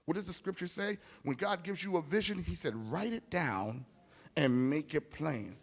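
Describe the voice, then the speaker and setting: A man preaching a motivational sermon, emphatic and informal, telling stories and repeating key phrases with dramatic pauses. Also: a little high, expressive, vocal fry. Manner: informal, anecdotal storytelling. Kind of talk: motivational sermon to a live audience. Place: large indoor hall, speaking from a stage. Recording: echoey hall with long reverb.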